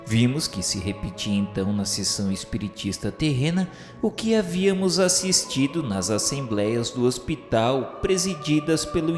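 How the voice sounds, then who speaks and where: A Brazilian man narrating a radio novel in a solemn, dramatic, grandiloquent literary style, with formal declamation. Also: medium pitch. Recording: echoey, long reverb, music underneath. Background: music.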